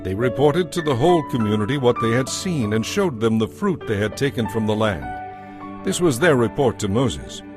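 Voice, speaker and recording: A man narrating a dramatized audio Bible with measured, solemn scripted delivery. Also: medium pitch, very animated, over music.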